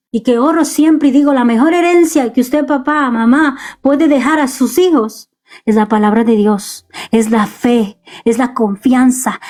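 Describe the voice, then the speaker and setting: A woman's voice: high-pitched, dark tone. A middle-aged woman preaching earnestly to parents from a bedroom in her home. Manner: earnest, exhorting, speaks straight to parents. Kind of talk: home video sermon.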